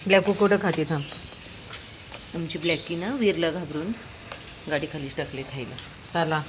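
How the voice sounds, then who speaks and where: A dog-owner vlogger chats casually while walking her dog along a sunny street, her low voice steady and moderately paced against a noisy background. She calls out to a toddler and the dogs in a coaxing, sing-song way.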